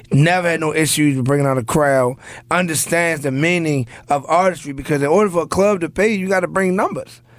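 His pitch variation is ordinary. This man speaks at a very fast pace. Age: 30s. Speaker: radio host and DJ. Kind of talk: casual chat. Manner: animated.

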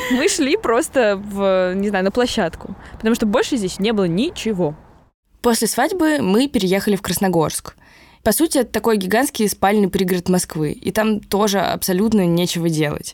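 A woman's plain, everyday voice at medium pitch and moderate pace, with lively intonation and very even loudness, in a very clean recording with a silent background. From Moscow, Russia. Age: 20s. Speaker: podcast host, journalist. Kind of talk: scripted narration.

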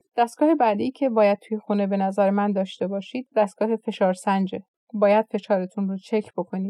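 Speaking at a fairly quick pace, a woman of medium pitch has a dark, mellow tone. Her intonation is fairly even, and the sound is dry and close with no echo. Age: 50s. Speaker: care home worker, recovered patient. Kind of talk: testimony with health advice. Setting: home recording.

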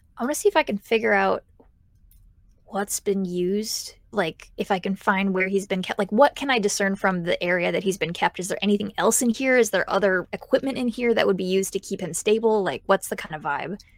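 At a fairly quick pace, a woman speaks in an ordinary speaking voice at a medium pitch with ordinary pitch variation, recorded very cleanly with a silent background and a dry, close sound with no echo. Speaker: tabletop game player. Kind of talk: tabletop role-play live stream.

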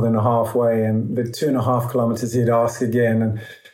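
Noticeable background noise sits behind a man at medium pitch. He speaks fairly quickly in a monotone, flat way. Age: 60s. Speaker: parkrun founder, charity trustee. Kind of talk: casual interview chat.

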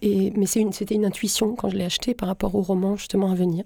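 A woman speaks with fairly even intonation and a somewhat breathy quality. Her tone is dark and mellow. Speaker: novelist. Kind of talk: interview. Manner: halting.

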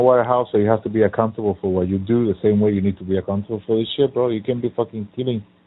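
Speaking with a Spanish accent, a man uses a fairly low pitch with ordinary pitch variation. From Cuba. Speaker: podcast co-host. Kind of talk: casual chat.

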